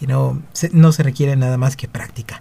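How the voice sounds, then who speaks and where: The voice carries a northern Mexican accent. Its pitch variation is ordinary. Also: man. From Mexico, Monterrey. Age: 20s. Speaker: gaming podcaster. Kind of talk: gameplay commentary. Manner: halting.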